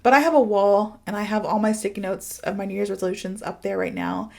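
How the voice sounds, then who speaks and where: A woman's voice: medium pitch, fairly even intonation, quick pace, creaky. A woman with a mid-range voice talks casually as a podcast host and teacher. Her delivery is informal and chatty, leaning on emphasis and giggly asides as she motivates her listeners. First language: English.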